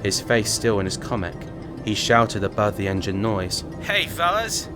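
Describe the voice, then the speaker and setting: A man's voice: on the low side, steady tone, moderate pace, music in the background. A man reading a dramatic audiobook as narrator, in scripted storytelling style.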